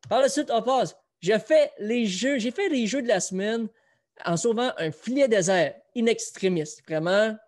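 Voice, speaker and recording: A man's voice: sits high, unhurried. A man with a Quebec French accent, hosting a casual sports chat show and running a trivia quiz. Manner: chatty, runs a trivia quiz. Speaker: host.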